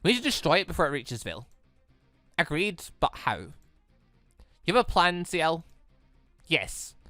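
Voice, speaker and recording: Excitable guy gamer reading visual novel lines out loud, voice swings all over, dry close sound. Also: on the high side, moderate pace, dry recording, faint music behind. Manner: animated, stumbles while reading and exclaims at the story. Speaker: let's play host.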